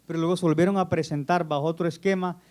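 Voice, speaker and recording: A man from Honduras with a Honduran Spanish accent, giving a measured talk at an academic conference and pausing often on "eh". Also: a little high, steady tone, a little mellow. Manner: measured, with frequent "eh" pauses and self-repeats. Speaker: conference speaker. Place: conference hall.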